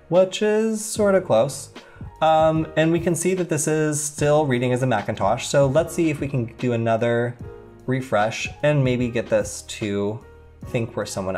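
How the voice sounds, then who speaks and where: A young man talks through a computer tutorial in a loose, conversational way. His voice sits in an ordinary middle register, and he often stops to think out loud as he clicks through. Quiet music plays faintly behind him. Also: mid-range voice. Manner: conversational, thinking aloud while demonstrating. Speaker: tutorial host. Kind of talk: screen-recorded tech tutorial.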